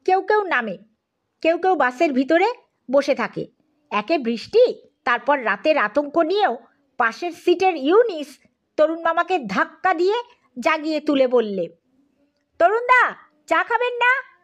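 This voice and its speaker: A woman with a high voice narrates a story in an expressive, theatrical way. Her pitch moves in lively swings as she reads the scripted tale like an audiobook performer. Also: measured pace. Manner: theatrical, acts out dialogue.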